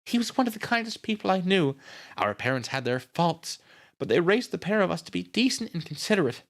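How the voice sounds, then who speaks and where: A man's voice: sits high, very animated, fairly quick, pitched above the performer's own voice. A man voicing a grieving, earnest young woman from a storybook, emotional and pleading. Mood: bewildered, upset.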